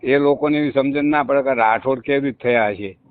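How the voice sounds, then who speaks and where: A man calls in and presses his point again and again, insistent and emphatic. His voice sits at an ordinary middle pitch. It comes through a thin, tinny phone line. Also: brisk. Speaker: caller. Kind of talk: phone call. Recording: tinny phone call recording.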